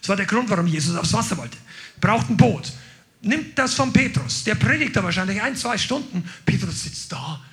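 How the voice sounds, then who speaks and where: A man preaching a sermon, energetic and exclaiming to his congregation. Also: sits high, normal speed. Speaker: pastor.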